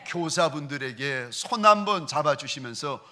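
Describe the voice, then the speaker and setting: A male pastor telling a story during a sermon, with dramatic shifts in loudness and pace. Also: fairly high pitch, animated, moderate pace. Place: church sanctuary.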